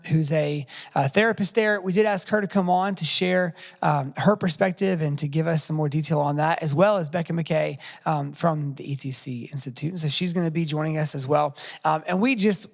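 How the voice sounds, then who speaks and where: A man with a slightly high voice hosts a podcast in a loose, rambling way, full of fillers and restarts. His voice carries a long reverb tail, as if the room were large and bare. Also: gravelly. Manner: friendly, rambling with many fillers. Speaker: podcast host. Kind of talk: casual podcast talk.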